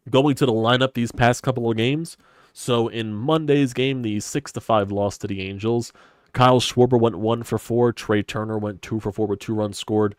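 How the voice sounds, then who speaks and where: A man's voice: on the low side, dry recording, studio quality. Congested man on a sports stream. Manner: rambling, opinionated, swears casually. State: congested, stuffy nose. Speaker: sports podcast host. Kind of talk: casual solo sports talk stream. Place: hot stuffy room at home.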